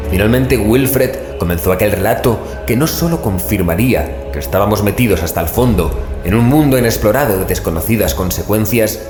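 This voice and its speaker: Casting: brooding investigator-narrator for horror radio play, low voice, measured delivery, music underneath. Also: male voice, reverberant. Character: male investigator narrating an eerie tale, uneasy. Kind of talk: scripted horror audio drama narration.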